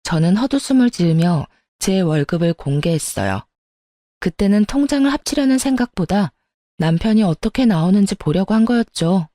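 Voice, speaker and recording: A woman's voice: mid-range voice, lively intonation, moderate pace, mellow, dry recording, clean studio sound. A woman narrating a scripted first-person story in a wry, composed way.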